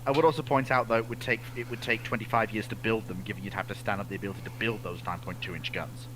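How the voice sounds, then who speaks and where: A man's voice: fairly low pitch, fairly even intonation, quick pace, noisy background. A man chatting on a panel, reading questions out and commenting in a blunt, hyperbolic way. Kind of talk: animated casual panel chat.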